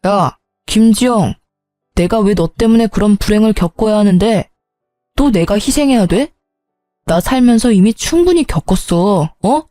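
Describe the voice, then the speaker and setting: Woman voicing an adult son, insistent and angry, mellow low tone. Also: animated, normal speed, no echo, soft background music, natural voice. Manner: insistent, pleading, sharpening into anger. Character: grown son, earnest then exasperated and shouting. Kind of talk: storytelling with voiced characters.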